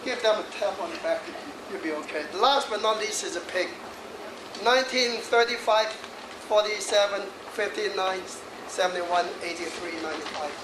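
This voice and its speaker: A feng shui master in his sixties, with a high-pitched voice at normal speed, gives a lively, jokey talk before an audience in a hall, laughing often and chatting between points. The audio is echoey and noisy, picked up from far away.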